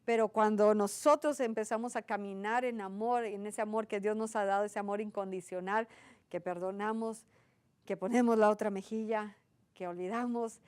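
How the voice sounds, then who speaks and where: A woman's voice: medium pitch, fairly even intonation, normal speed, a little mellow, clear, resonant tone. A woman giving a conversational Christian sermon, earnest, piling up repeated lists and tag questions. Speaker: Christian teacher.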